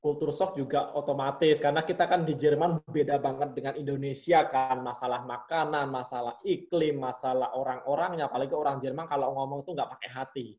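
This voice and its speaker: A man's voice: mid-range voice, a little fast, few pauses. A man as an interview guest, chatting casually and acting out the people in his stories. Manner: animated storytelling, acts out quoted bosses. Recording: muffled lo-fi audio.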